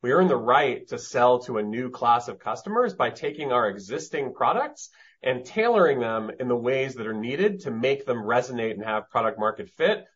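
Male executive on an earnings call, mid-pitched, emphatic and methodical, slightly lo-fi sound. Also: breathy edge. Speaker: company executive. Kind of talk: earnings call explanation, business jargon. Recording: dull, lo-fi conference-call audio.

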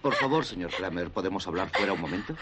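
An actor dubbing a calm, professional emergency doctor who reassures a worried father. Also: deep voice, fast. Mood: reassuring. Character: adult male emergency doctor, calm and businesslike. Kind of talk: Spanish film dub. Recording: film soundtrack with background noise.

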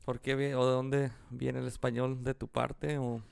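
Gravelly Mexican-American man, slangy and close-miked. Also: mid-range voice, level tone, unhurried, no room sound. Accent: Los Angeles Mexican-American Spanish. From Los Angeles, United States. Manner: slangy, profane, with bits of English. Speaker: podcast co-host. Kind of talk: casual bantering chat.

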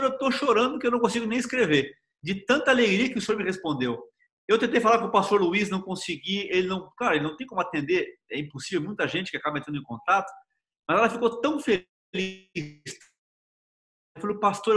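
A Brazilian pastor with a Bahian accent, giving an earnest devotional sermon told through a personal story. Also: male voice, sits high, a bit bright. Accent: Bahian Portuguese.

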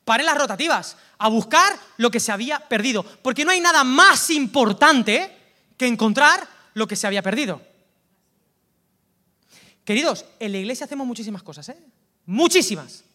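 A man with a Valencian Spanish accent, preaching a lively, colloquial sermon that swings from loud outbursts to hushed asides. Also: extremely high pitch, moderate pace. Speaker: pastor.

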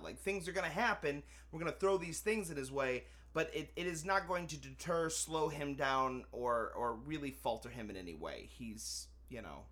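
A man co-hosting a casual movie review podcast, animated and sarcastic, swearing and acting out scenes. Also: medium pitch. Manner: animated, sarcastic, swears, acts out quotes loudly. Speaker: podcast co-host.

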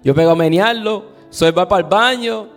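A middle-aged man pastoring a church, his voice sitting fairly high. He drags out important phrases for weight, then rolls into casual storytelling. The room rings with long reverb over faint music. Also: fairly bright tone. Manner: folksy, slow emphatic delivery. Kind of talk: bilingual storytelling sermon.

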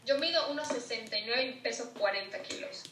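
A young woman from Yucatán with a Yucatecan accent, a podcast guest chatting casually and teasing with a quick laugh. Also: a little high. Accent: Yucatecan Spanish. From Yucatán, Mexico. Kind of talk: casual chat. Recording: echoey room, distant mic, faint noise.

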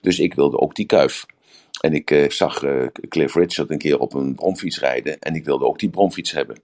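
Older male group leader, voice extremely low, rambling and anecdotal delivery. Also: normal speed, a little mellow. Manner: rambling, searching for words, with anecdotes. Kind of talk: casual talk.

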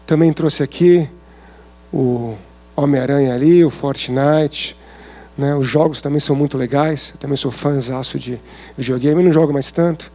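A man's voice: medium pitch, normal speed, dark tone. A man with a Brazilian Portuguese accent giving an informal sermon at a men's service, talking conversationally and asking many rhetorical questions.

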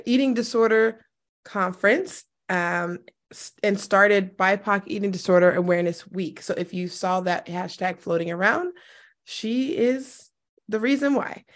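A woman hosting a casual podcast interview, hoarse and scratchy after losing her voice, laughing often and poking fun at herself. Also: medium pitch. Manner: laughs often, self-deprecating. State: hoarse, lost voice. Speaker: podcast host.

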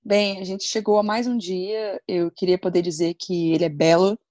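A woman from Brazil, co-hosting a casual chat podcast in a relaxed, conversational way. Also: lowish voice, moderate pace, dry recording, lo-fi sound. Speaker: podcast co-host.

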